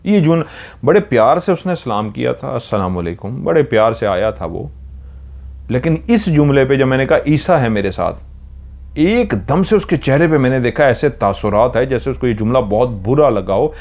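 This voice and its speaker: A man narrates a horror story in an unpolished, dramatic way. His voice sits at an average pitch for a man, and he often stops to correct a word. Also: animated, normal speed, darkish tone. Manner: dramatic retelling with self-corrections.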